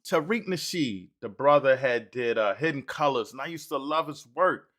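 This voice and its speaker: An older man hosts a podcast in a loose, rambling way. He stacks fillers and restarts as he frames long questions. His voice sits at an ordinary male pitch. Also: lively intonation, moderate pace, fairly bright tone. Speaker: podcast host. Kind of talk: casual interview talk.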